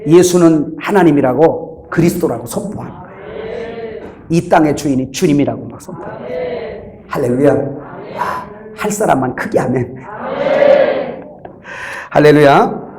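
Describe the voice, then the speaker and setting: A man preaching as pastor, telling stories with lively energy and acting out the voices of the people in them. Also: fairly high pitch, moderate pace, long pauses, roomy sound. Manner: animated storytelling, acting out quoted voices. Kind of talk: sermon.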